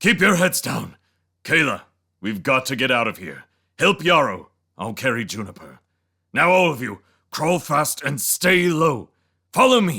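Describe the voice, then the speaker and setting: A man's raspy, put-on character voice, fairly high with very wide pitch swings, at a moderate pace with long, frequent pauses, on a very clean recording with a silent background. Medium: read story.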